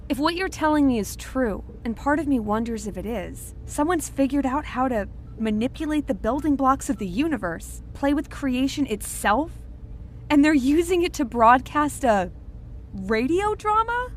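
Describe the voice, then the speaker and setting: Actress as skeptical woman, high natural voice, conversational, faint ambient noise. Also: animated, normal speed. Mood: incredulous. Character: incredulous, questioning woman in conversation. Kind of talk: naturalistic audio drama dialogue.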